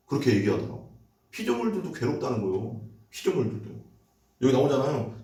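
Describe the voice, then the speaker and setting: A man's voice: lowish voice, dark tone. A male pastor giving a conversational sermon, now and then acting out the voices of animals. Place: church sanctuary. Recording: echoey church room, mic at a distance.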